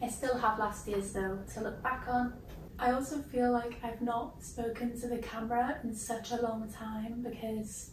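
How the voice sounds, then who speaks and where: A woman's flat, monotone delivery at a fairly slow pace, with audible room echo and light background noise. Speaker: student vlogger. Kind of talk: casual vlog chat. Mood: reflective, a bit unsure. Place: home room. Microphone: camera far.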